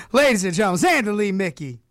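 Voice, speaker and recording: Hoarse, high-voiced hyped radio host man. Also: big pitch swings, a bit bright, soft background music. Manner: showy, joking, rapid riffing introductions. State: hoarse, losing his voice. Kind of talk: playful, hyped radio banter. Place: community radio studio. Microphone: studio microphone.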